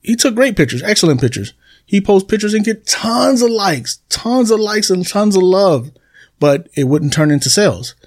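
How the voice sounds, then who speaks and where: Male podcast host, slightly high voice, conversational, leans on repetition to make points. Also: very animated, normal speed. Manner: conversational, repeats phrases for emphasis. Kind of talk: casual solo podcast talk, addressing listeners. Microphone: computer desk recording.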